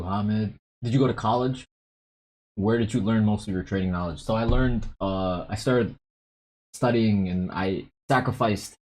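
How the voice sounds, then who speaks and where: A young man hosting a casual livestream about day trading, laid-back and quick to laugh, reading out chat messages. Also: lowish voice, darkish tone.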